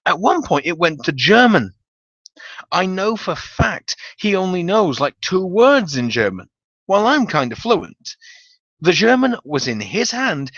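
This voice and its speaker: Male narrator, theatrical and wry storytelling, very lively pitch, slightly muffled home recording. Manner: theatrical, animated, wry delivery with profanity. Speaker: narrator reading a story aloud. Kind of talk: dramatic reading of a humorous tabletop gaming story. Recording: dull, roomy home recording.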